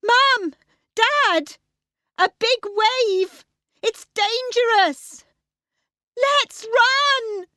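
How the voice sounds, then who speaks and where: A woman's voice: very high-pitched, very slow, pauses often, pushed and bright, dry recording, studio quality, voice pushed up, full character voice. A woman voicing a frightened, urgent ten-year-old girl in a storybook story for an audio lesson. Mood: shouting, panicked.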